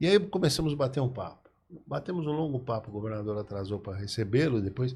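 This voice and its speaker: Talking at a very fast pace, a man sounds somewhat breathy, and his pitch swings very widely. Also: medium pitch for a man. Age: 70s. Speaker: podcast host. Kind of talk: casual interview conversation.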